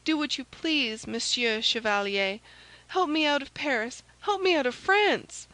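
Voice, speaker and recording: A woman's voice: sits high, lively intonation, measured pace, sharp tone, no room sound, voice pushed up, exaggerated voice, rough recording. A woman voicing a frightened, lovestruck young maid in an audiobook story, anxious and pleading.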